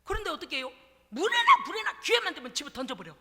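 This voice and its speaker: Woman pastor, middle-aged, emphatic call-and-response preacher, high lively voice, long church reverb. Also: fast talker. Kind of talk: sermon. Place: church sanctuary.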